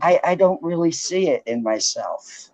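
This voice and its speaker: A woman's voice: low voice, expressive, unhurried, a little mellow. A woman from New Jersey with a slight New Jersey accent, co-hosting a casual livestream chat, talkative and laughing, swearing freely. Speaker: co-host.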